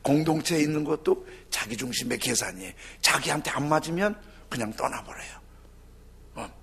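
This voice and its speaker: A male pastor preaching a sermon with dramatic swings between loud cries and near-whispers. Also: fairly high pitch, animated, moderate pace, slightly rough.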